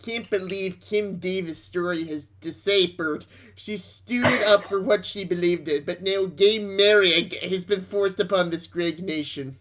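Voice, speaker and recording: Man, high pitch, exasperated delivery, swearing, reading posts aloud among friends. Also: unhurried, fairly bright tone.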